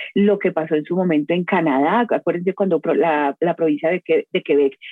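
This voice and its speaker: The speaker talks fairly quickly as music plays behind. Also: woman. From Colombia. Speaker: academic, political philosophy professor. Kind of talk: interview, expert explanation.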